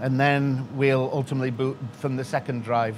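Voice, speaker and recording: A man speaks at a fairly high pitch with fairly even intonation. Light background noise can be heard. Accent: British. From England. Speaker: museum volunteer restoring vintage computers. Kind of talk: machine tour and demonstration. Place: workshop.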